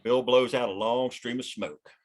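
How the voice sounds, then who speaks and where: A man's voice: medium pitch, steady tone, normal speed. A man reading out scripted action lines as the narrator of a screenplay table read. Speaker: stage directions reader directing the read.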